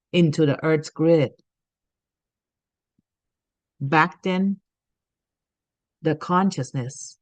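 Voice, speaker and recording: A woman's voice: low-pitched, dry recording. A woman from Thailand giving an earnest spiritual teaching talk, often checking in with "okay?".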